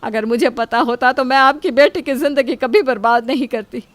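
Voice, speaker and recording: A woman's voice: high-pitched, normal speed, dry recording. A woman voicing characters in an audio story, speaking in a lamenting, scolding way. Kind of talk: dramatic storytelling dialogue.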